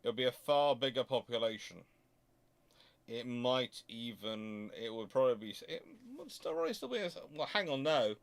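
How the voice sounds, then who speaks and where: A man speaks as the host of an informal history question session. His delivery is halting and unscripted, with frequent self-corrections as he reasons his way toward an answer at a middling pitch. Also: expressive, clean tone. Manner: halting, thinking aloud with repeated self-corrections. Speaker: host of a naval history channel. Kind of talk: off-the-cuff answers to listener questions.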